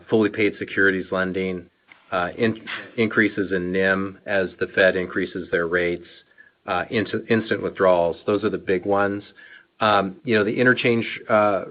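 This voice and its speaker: A man answering questions as a finance executive on an earnings call, speaking in a halting, measured way. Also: sits low. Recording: dull, lo-fi conference phone line.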